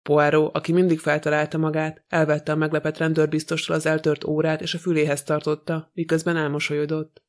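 A man narrating an audiobook in a steady, even reading voice. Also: fairly high pitch, few pauses.

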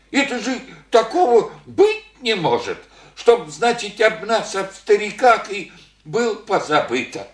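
A man's voice: sits high, heavily acted. An actor playing a meek old village grandfather in a radio play, speaking in folksy rustic speech with a hesitant drawl. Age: older. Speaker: old father visiting his daughter. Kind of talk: Soviet radio play acting. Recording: roomy old radio studio recording.

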